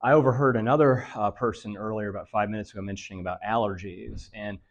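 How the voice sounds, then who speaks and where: A man presenting a health lecture to seniors in a meeting room, his voice raspy and nasal and a bit dry from allergies, talking in a monotone with many fillers. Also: lowish voice, fast talker, muffled recording. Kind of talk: live lecture to a senior audience.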